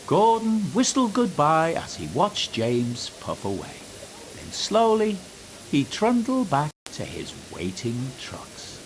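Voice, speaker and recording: A man narrating a scripted children's story in an animated, expressive manner. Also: fairly high pitch, takes it slowly, slight background noise.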